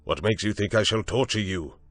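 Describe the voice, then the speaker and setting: Man doing a calm, commanding scientist. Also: fairly low pitch, no echo, clean studio sound. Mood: stern. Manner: calm, measured, authoritative. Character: steady, commanding older male scientist.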